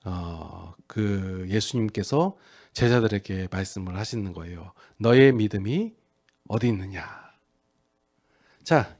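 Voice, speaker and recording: A middle-aged male pastor giving a conversational sermon, acting out quoted lines and building to loud, emphatic peaks. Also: on the low side.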